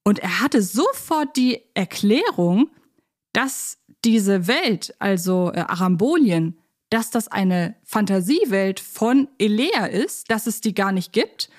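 Woman, podcast host, medium pitch, casual discussion, chatty, thoughtful, explanatory. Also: animated, slow. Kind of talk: casual podcast discussion of children's audio dramas.

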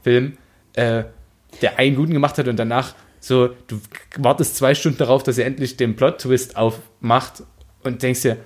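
A man's voice: medium pitch, fairly even intonation, normal speed. A man co-hosting a casual book discussion, speaking colloquially as an emphatic, exasperated critic. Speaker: podcast co-host.

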